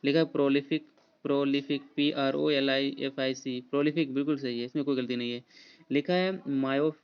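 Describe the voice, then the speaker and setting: A man's voice: mid-range voice, fairly even intonation, moderate pace, clean tone. A man, teaching an exam prep lesson in a casual way, spelling out words letter by letter with many fillers. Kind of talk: spelling quiz walkthrough. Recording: dull lo-fi voice recording.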